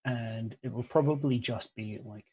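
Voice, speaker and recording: A man's voice: mid-range voice, normal speed, darkish tone, husky, low-quality recording. A young man casually improvising narration as game master of a tabletop game, explaining things informally over a video call. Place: indoor room at home, on a video call.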